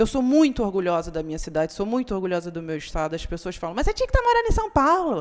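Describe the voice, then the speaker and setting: A woman at a very fast pace with hardly any pauses and very wide pitch swings. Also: quiet background. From Rio de Janeiro, Brazil (Vila Isabel); Rio de Janeiro. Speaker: entrepreneur and investor. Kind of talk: acceptance speech. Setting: legislative chamber ceremony. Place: hall. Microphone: podium.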